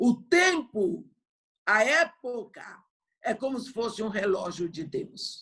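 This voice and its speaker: A woman talks at a very slow pace with a fairly high pitch. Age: 70s. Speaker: missionary preacher. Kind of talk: sermon.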